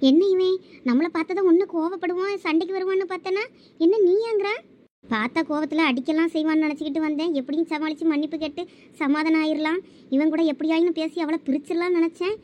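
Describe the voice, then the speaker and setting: A woman's voice: very high voice, steady tone, fast, darkish tone. A woman voicing a scheming, jealous former lover in a cartoon, plotting in sly asides with a Thoothukudi Tamil accent. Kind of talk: cartoon voice acting.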